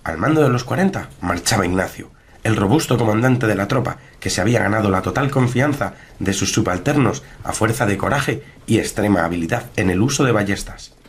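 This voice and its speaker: A man's voice: lowish voice, lively intonation, a little fast, a little hiss or hum. A man playing a chronicler who tells a post-apocalyptic saga in formal, scripted radio drama narration. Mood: solemn recounting.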